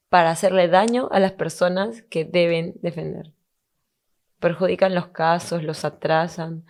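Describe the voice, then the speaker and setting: A woman's voice: fairly low pitch, gravelly, a little mellow. A woman hosting a podcast, interviewing a guest and commenting indignantly on the justice system. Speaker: podcast host.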